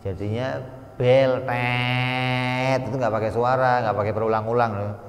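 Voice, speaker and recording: A man giving a slow, explanatory religious study lecture, now and then voicing sound effects for his examples. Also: on the low side, fairly even intonation. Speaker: religious teacher. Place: pesantren study hall. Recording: echoey hall with long reverb.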